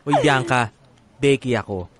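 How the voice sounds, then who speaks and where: A man's voice: medium pitch, unhurried, natural voice. An actor with a Filipino accent playing a haughty, exasperated gay man in a radio comedy drama, with campy, dismissive exclamations. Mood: scolding.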